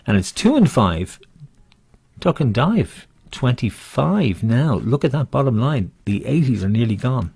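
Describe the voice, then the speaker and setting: A man with a husky voice acts as bingo caller and host. His pitch swings in a lively way as he calls numbers with rhyming nicknames, drifting into jokey, rambling chat between calls. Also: normal speed, dry recording. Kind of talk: bingo calling with rhyming nicknames, casual banter.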